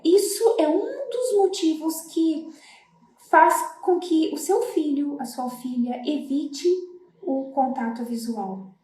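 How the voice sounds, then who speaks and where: Middle-aged woman from Brazil, high and mellow voice, earnest and explanatory, recorded in a roomy space. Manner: earnest, explanatory, with many "né?" tags. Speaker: floral therapist. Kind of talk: casual talk to parents.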